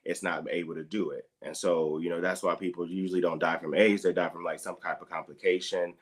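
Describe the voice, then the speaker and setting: Man, thirties, from the Midwest, very low voice, slow casual explaining, frequent fillers. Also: flat delivery, slightly rough. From Dayton, Ohio, US Midwest. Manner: explains slowly with many fillers. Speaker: guest. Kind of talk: casual interview talk.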